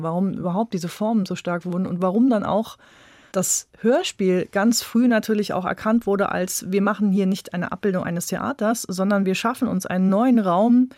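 A woman's voice: mid-range voice, moderate pace, a little mellow, no room sound. Woman explaining in a dry studio. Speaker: interview guest, radio drama expert. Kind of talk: thoughtful conversation.

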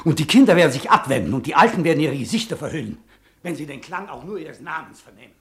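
A man's voice: fairly high pitch, lively intonation, fast talker, a bit bright. A man acting in a German radio play as a bitter, unforgiving exile, impassioned and declamatory in his accusations. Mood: cold, condemning.

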